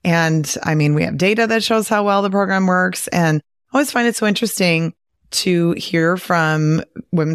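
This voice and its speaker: A woman with a raspy, hoarse voice from a recent virus, hosting a podcast in a chatty, encouraging way with frequent laughs. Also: on the low side, no echo, studio quality. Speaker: podcast host and weight loss coach. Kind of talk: casual podcast monologue.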